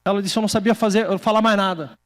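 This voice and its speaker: A male pastor preaching a sermon, telling stories, acting out quoted voices and slowing down for emphasis. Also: sits high, fairly even intonation, in a large hall. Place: church hall.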